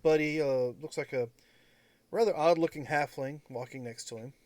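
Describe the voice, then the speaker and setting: Casual game master, higher-pitched man. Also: darkish tone, dry recording. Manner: casual, halting, swearing. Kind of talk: improvised tabletop game narration.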